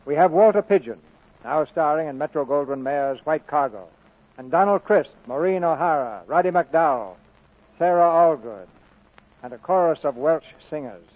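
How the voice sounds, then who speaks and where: A man's voice: a little high, expressive, normal speed. A man hosting a 1940s radio theatre broadcast, reading scripted announcements. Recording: muffled narrowband vintage radio broadcast.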